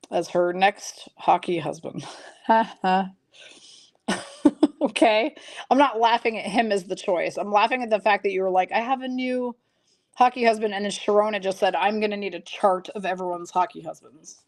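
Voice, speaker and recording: A woman's voice: mid-range voice, no echo. A woman hosting a live trading card break in a chatty, upbeat way, rattling off players and teams. Her voice is slightly froggy. The sound is dry and close, with no room around it. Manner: chatty, quick rundown of card names and teams. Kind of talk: live-streamed card break, casual chat.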